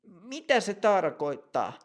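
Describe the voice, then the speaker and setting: A man's voice: high voice, very animated, pitched above the performer's own voice. A man voicing a nervous young man who stammers and gets flustered in a short lesson dialogue. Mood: panicked.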